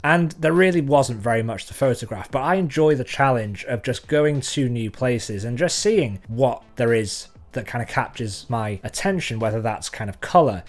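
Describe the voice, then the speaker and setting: A man's voice: mid-range voice, lively intonation, normal speed, hardly any pauses. A man from North Wales, a photographer talking to his viewers in a thoughtful, conversational way. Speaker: photographer and channel host. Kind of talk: reflective talk to camera.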